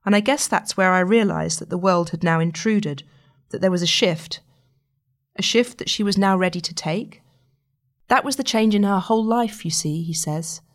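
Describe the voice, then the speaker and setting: Woman narrating, slightly low voice. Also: normal speed. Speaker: magazine journalist narrating her own article. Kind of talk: scripted long-form article narration.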